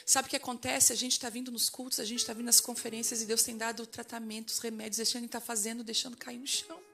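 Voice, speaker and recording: A woman's voice: a little high, level tone, fast talker, creaky, bright, forceful tone, soft background music. A woman pastor preaching a passionate sermon, asking the congregation questions and rising into declarations.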